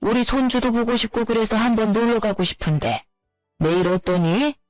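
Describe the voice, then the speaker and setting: A woman voicing a kindly older mother-in-law who asks gentle, solicitous questions. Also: fairly high pitch, normal speed, dry recording, soft background music, natural voice. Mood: caring. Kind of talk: narrated story dialogue.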